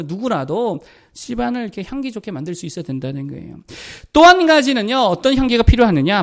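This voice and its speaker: Animated, high-voiced Korean pastor preaching. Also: male voice. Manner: lively, conversational, acts out quoted lines for humor. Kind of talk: Sunday sermon. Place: church sanctuary.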